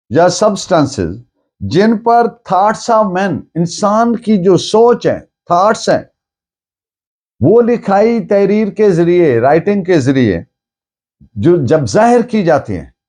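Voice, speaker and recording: Pakistani guy teaching law, slowish and deliberate, voice a bit on the high side, rephrases as he explains. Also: darkish tone. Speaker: law lecturer. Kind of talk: lecture, explaining a legal text.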